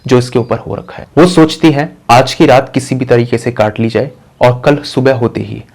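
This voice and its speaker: A man telling a real-life horror story in a low-key storytelling manner. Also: fairly even intonation, normal speed, vocal fry, darkish tone. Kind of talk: storytelling narration.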